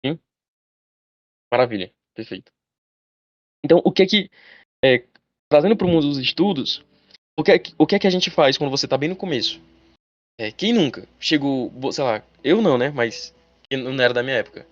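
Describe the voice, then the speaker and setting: A male teacher giving a live online class, talking fast and chatty, speaking straight to his students. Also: mid-range voice, animated, dry recording, dull audio.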